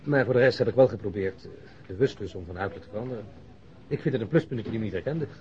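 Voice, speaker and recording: A man's voice: on the low side, expressive, darkish tone, lightly acted. A man playing a hesitant, apologetic ex-convict turned reporter in a radio drama. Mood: earnest. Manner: hesitant, apologetic, halting starts. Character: nervous, humbled male ex-convict turned provincial reporter. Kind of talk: Dutch radio drama dialogue. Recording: dull, noisy lo-fi radio drama recording.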